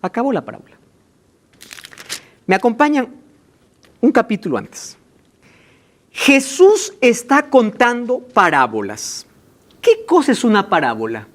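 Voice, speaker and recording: Male pastor, emphatic sermon delivery, high and very animated pitch. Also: measured pace, pauses often. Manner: emphatic preaching, stretching key words. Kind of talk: sermon with Bible reading.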